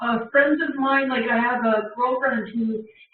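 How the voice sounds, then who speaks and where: A woman at a fairly slow pace and fairly high pitch, with noticeable background noise. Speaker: songwriter and painter recovering from brain injury. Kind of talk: interview conversation. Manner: may slur or stutter due to injury; halting, many repetitions.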